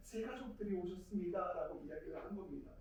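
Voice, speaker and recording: A man's lively intonation comes through audible room echo and noticeable background noise. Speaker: pastor. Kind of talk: sermon. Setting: church.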